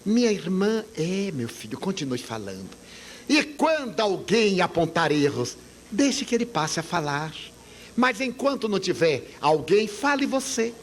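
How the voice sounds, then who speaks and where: A man voicing a gentle, motherly female spirit guide who speaks softly and reassuringly. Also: sits high, slight background noise. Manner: soft, tender, reassuring.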